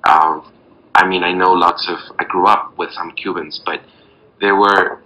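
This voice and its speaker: A man's voice: sits low, steady tone, measured pace, bright, forceful tone, low-quality recording. A young man from Mexico, chatting as a podcast guest over a video call, rambling and hunting for words with lots of fillers. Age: young adult.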